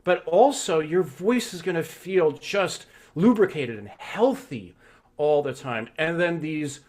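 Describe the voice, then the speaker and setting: A man's voice: fairly high pitch, animated, measured pace, a little mellow. A man teaching vocal health in a live online masterclass, coaching with frequent "right?" check-ins.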